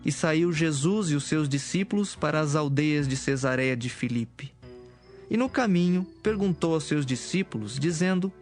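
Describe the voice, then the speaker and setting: A man narrating scripture from a script in a measured, solemn manner. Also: a little high, expressive, darkish tone. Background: music.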